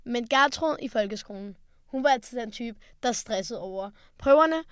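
A teenage girl co-hosting a podcast, telling rambling, animated stories in casual chat. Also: fairly high pitch, clean tone, dry recording, clean studio sound. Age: late teens. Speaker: podcast co-host. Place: studio.

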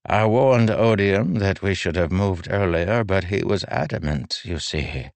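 A man voicing a frail, weary old king who speaks with a soft, drawn-out, sorrowful delivery. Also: deep voice, lively intonation, creaky, no room sound, pitched above the performer's own voice, exaggerated voice. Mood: wry. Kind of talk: audiobook character voice.

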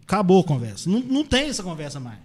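A man, chatting casually. His voice sits fairly high, and he swears and uses slang as he tells his stories. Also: huge pitch swings, racing, breathy edge. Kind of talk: casual chat.

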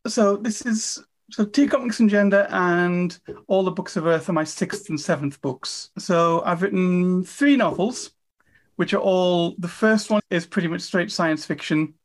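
A woman's voice: fairly low pitch, measured pace. Chatty, self-mocking woman in her fifties. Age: 50s. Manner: chatty, enthusiastic, self-deprecating. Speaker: author and guest. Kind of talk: casual interview chat.

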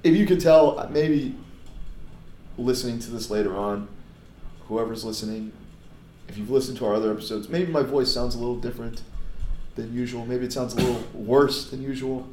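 A hoarse man who has lost his voice, hosting a casual podcast and breaking into excited whoops. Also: mid-range voice, normal speed. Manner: excitable, bursts into loud whoops. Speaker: podcast host. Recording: echoey room with faint noise.

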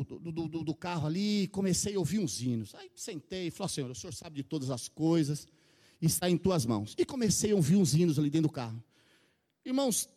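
A man's voice: sits high, darkish tone. A middle-aged man gives a testimony in church, telling a story with animation and often turning to address the congregation. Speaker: church member giving testimony.

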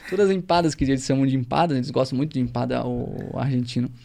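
A man, a zumba instructor guest, telling stories in a lively way and acting out dialogue. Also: medium pitch, fast, vocal fry. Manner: lively, acts out quoted dialogue. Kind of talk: animated storytelling in conversation.

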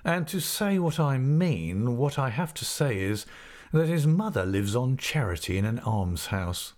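Man playing a haughty schoolboy, slow and deliberate. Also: medium pitch, big pitch swings, darkish tone, pitched above the performer's own voice. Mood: cool disdain. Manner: cool, deliberate, insolent. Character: haughty, defiant, privileged schoolboy. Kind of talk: audiobook character acting.

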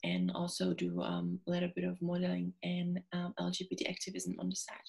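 Young Czech-accented woman, gravelly and flat. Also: on the low side. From Czech Republic. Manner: quick, chatty, many fillers like "um" and "like". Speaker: guest, author and performer. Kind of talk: interview conversation.

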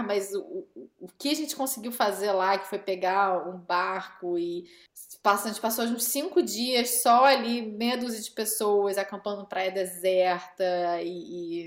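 Animated woman, echoey room. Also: medium pitch, unhurried. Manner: animated storytelling, laughs often, quotes people. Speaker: guest. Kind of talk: casual interview chat.

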